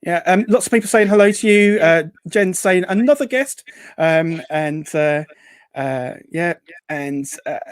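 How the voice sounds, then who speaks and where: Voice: medium pitch, unhurried, smooth, no room sound. A host chatting casually on a live show, rambling and hesitant, reading out comments in an upbeat way. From Essex, England.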